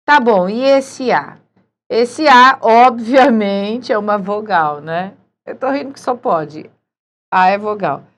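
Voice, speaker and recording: A woman teaching a recorded grammar lesson, patient and often checking in with her students. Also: medium pitch. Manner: patient, checks in with frequent "certo?".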